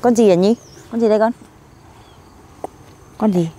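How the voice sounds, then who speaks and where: A woman's voice: medium pitch, a little slow, dark tone. A woman, a mother, chatting and teasing her children outdoors by a lake. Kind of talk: casual family chat.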